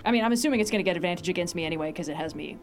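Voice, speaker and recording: A woman's voice: fairly low pitch, rapid-fire, soft background music. A woman playing a tabletop game, talking casually and thinking aloud through her turn. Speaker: player.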